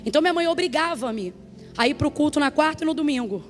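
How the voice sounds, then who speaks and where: A woman's voice: high voice, expressive, quick pace, soft background music. A woman preacher giving an emphatic, conversational sermon mixed with a personal story.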